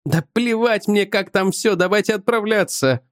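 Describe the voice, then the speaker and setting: A man's voice: high-pitched, normal speed, no room sound, clean studio sound, voice pushed up, natural voice. A man voicing an impatient, eager young man in an audiobook, raised and urgent. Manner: urgent, insistent. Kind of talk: audiobook character voice.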